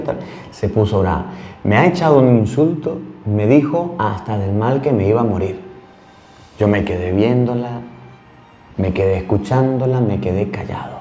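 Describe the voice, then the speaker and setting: A man's voice: on the low side, a little mellow. Man, priest from Venezuela, earnest storytelling sermon, echoey room, faint hum. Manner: storytelling, earnest and plain-spoken.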